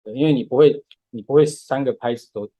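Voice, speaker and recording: A man's voice: mid-range voice, fast, mellow, no echo, muffled recording. A man, patiently explaining music step by step in a casual podcast chat.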